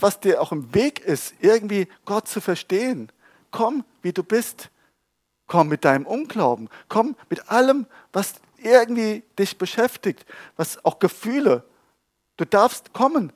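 A man delivers a sermon in a casual, animated way, teasing his audience and firing rhetorical questions at them. His voice sits a little on the high side. The sound is close and dry, with almost no room echo. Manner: lively, conversational preaching with humor and rhetorical questions. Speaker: preacher. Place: church hall with a live audience.

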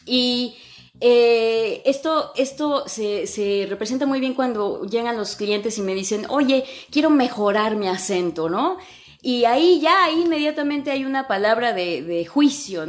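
A woman with a Mexican Spanish accent, who teaches English and hosts a podcast, gives a blunt, slangy, casual monologue packed with swearing and rhetorical questions. Her voice is on the high side.

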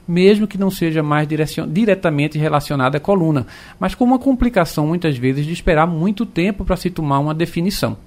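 A man, an orthopedic doctor explaining calmly on radio with plain comparisons. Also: a little high.

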